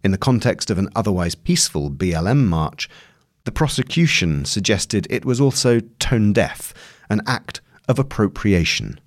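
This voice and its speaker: A man with a low, deep voice narrates a long-form article. His delivery is measured and articulate, in a scripted journalistic style. The sound is dry, with no room around the voice. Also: very animated, dry recording.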